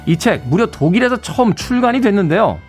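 A male radio host chats to his listeners from a studio, friendly and relaxed as he reads out their messages. His voice sits a bit high and swings through a lively range. Light music hums faintly in the background. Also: quick pace, slightly rough. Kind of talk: radio DJ talk.

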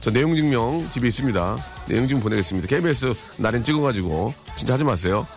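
A man's voice: medium pitch, animated, fast, faint music behind. A man hosting a live radio show, joking and giving mock-stern warnings to listeners. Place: radio studio.

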